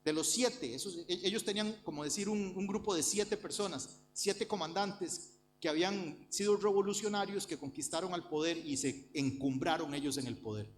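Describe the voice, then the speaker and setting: Over a little hiss or hum, a man from Costa Rica preaches to his flock at a normal speed, his voice sitting high. As their pastor, he delivers a sermon and Bible study directly to them, earnestly repeating phrases to stress his points.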